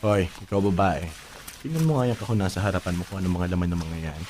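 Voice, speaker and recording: A man's voice: low voice, lively intonation, fast talker, noisy background. A male actor playing a sassy, effeminate gay older sibling in a Filipino radio drama, scolding and exclaiming. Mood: scolding, evasive.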